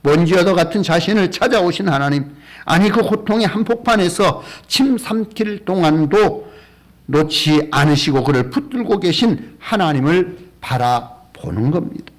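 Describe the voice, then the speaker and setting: A man's voice: high-pitched, expressive, normal speed. A man preaching a sermon as a pastor in a church, earnest and full of rhetorical questions.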